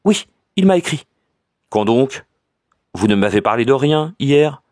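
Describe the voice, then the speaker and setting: A man reading an audiobook, voicing a distraught, trembling society lady in a halting, tearful falsetto. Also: very animated, darkish tone, dry recording, studio quality. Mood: hesitant.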